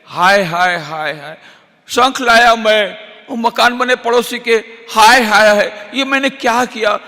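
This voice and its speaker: A man playing a poor, spiteful husband in a spoken parable, bright-toned and high-pitched, wailing over his neighbor's luck. The sound rings with long hall reverb. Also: unhurried, vocal fry, full character voice. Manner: wailing, lamenting loudly.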